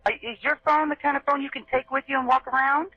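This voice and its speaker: A woman working as an emergency dispatcher, calming and questioning a child with endearments over a muffled telephone recording. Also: sits high, quick pace, dry recording. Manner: reassuring, uses endearments with a child.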